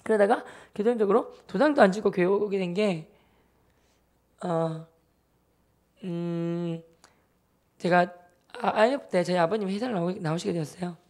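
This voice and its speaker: A man in his thirties with a Gyeongsang accent, a church deacon giving a lively testimony talk and acting out his family. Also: sits high, normal speed, long pauses. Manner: animated storyteller who acts out family members.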